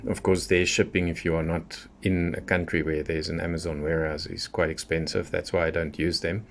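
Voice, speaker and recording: A man giving a casual, unscripted product review in a measured, matter-of-fact way with pauses between short phrases. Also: low voice, flat delivery, gravelly, fairly bright tone, slight background noise. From South Africa. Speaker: radio hobbyist presenter.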